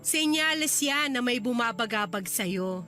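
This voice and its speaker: A woman's voice: on the high side, lively intonation, a little slow, sharp tone, soft background music. A woman playing a young wife in a radio drama, heated and scolding. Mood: angry. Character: angry young wife, sharp and confrontational.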